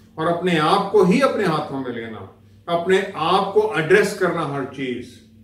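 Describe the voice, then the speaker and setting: A man's voice with ordinary pitch variation and audible room echo. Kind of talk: sermon / Bible teaching. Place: home room.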